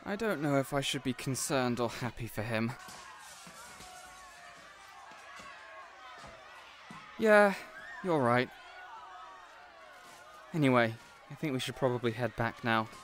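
Reassuring, kindly boss villain, male actor, audio roleplay, bright animated delivery, slight background noise. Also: mid-range voice, moderate pace, lightly acted. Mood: weary, tender. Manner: earnest, reassuring. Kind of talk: character audio roleplay acting.

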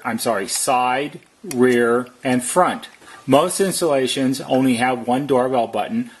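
A man's voice: medium pitch, slight background noise. A man narrating a step-by-step how-to as a technician, explaining plainly and methodically. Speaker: repair technician giving instructions.

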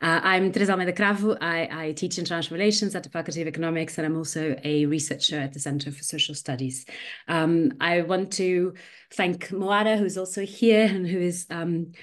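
A woman's voice: on the low side, steady tone, brisk. A woman in her forties moderating an online roundtable from a home study, speaking in a friendly way with frequent ums. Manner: friendly, uses filler "um". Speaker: panel moderator and lecturer. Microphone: earphones on video call.

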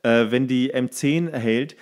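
A man's voice: mid-range voice, slow, darkish tone. Man rambling through anecdotes. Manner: rambling anecdotes with many fillers. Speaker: podcast co-host. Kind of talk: casual chat.

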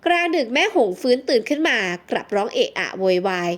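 A woman narrating an audio novel in an even, polite storytelling manner. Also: fairly high pitch, a little fast.

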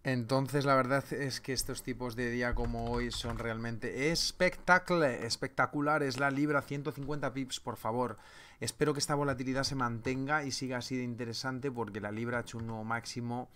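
A man's voice: medium pitch, steady tone, a little fast, bright, forceful tone, clean tone. A man hosting a live trading webinar, reading viewer names and joking with the chat. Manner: joking, banters with chat, reads names aloud. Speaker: trading seminar host.

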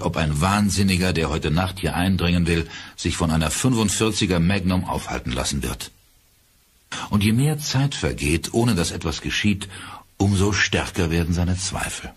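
A man narrating a horror audiobook with a husky voice and dramatic delivery. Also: sits low.

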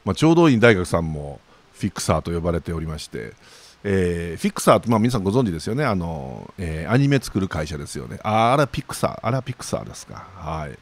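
Chatty Kansai man with a lively voice. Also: deep voice, fast talker. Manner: chatty, with jokey asides and laughs. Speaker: commentator. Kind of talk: morning newspaper commentary.

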